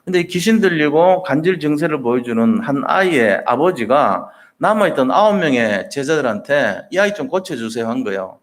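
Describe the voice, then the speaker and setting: A male pastor preaches with a voice that rises and falls a great deal. He tells the story vividly and slips into the voices of the people in it. His pitch sits in a middle range. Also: normal speed, hardly any pauses. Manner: lively storytelling, acting out voices in quotes. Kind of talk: sermon.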